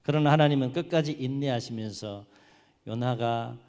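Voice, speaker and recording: A man's voice: mid-range voice, moderate pace, clean tone, long reverb tail. A male pastor preaching a sermon, telling the story vividly and questioning his congregation. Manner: animated storytelling that acts out the quotes.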